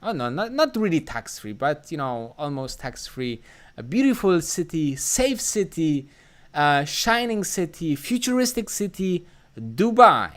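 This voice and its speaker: Hosting a casual live stream, a German man with a German accent reads out chat comments and rambles, full of fillers and restarts. His voice is a little high and a bit bright, very animated yet slightly slow.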